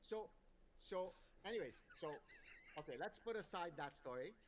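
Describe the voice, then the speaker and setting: This is a man from Lebanon whose first language is French, a guest in casual conversation. His voice sits high for a man. He tells his stories with animated sarcasm, against a faint hiss in the background. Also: normal speed. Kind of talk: casual chat.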